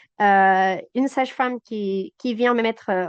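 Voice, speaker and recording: This speaker talks at a fairly slow pace with a South American accent. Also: woman. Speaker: doula. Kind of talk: interview answer.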